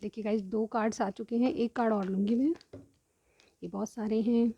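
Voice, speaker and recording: A woman reading tarot cards for her viewers. She explains each card in turn, often says "theek hai", and keeps clearing a sore throat. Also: a little high, steady tone, moderate pace, mellow, dull audio. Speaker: tarot reader.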